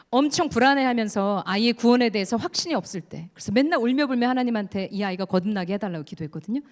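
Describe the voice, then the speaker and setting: A woman's voice: medium pitch, a little mellow. A woman deaconess giving an earnest testimony sermon in a church, telling her story and leading the congregation in reading scripture. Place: church sanctuary. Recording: long church hall reverb.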